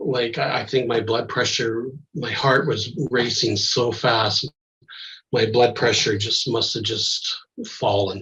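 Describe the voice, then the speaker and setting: Speech comes very slowly. The intonation is fairly even. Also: man, medium pitch for a man. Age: 60s. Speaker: near-death experiencer. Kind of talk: testimony. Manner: halting.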